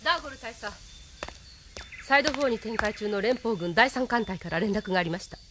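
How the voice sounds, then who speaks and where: A woman voices a crisp young female communications officer in an anime radio drama. She reads her report in a formal, even way, with a faint hiss behind her. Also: on the high side, fairly quick, lightly acted.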